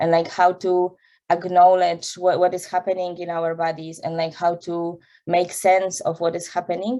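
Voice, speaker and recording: A woman with a Polish accent, a fairly low pitch, a dark, mellow tone, monotone, flat intonation and a moderate pace. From Poland. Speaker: workshop facilitator. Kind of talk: online interview. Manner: halting.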